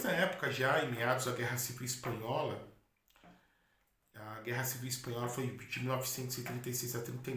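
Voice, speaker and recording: A man's voice: mid-range voice, a bit bright. A man, a Catholic priest, preaching a sermon in a chatty storytelling manner with asides. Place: in Spain. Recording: echoey room with faint noise.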